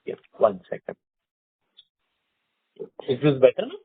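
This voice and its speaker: A man's voice: mid-range voice, wildly swooping pitch, measured pace, slightly rough, no room sound. A man, heard over a phone line, asking an analyst's questions on a conference call and leaning on "you know" fillers. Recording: tinny, dry phone line with airy hiss.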